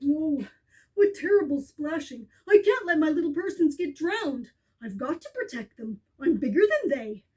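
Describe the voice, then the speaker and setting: A loyal, kind-hearted male elephant from a storybook, as a woman reader puts him on, earnest and protective, speaking firmly and a touch louder than the narration. His voice stays high and bright. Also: very animated, normal speed.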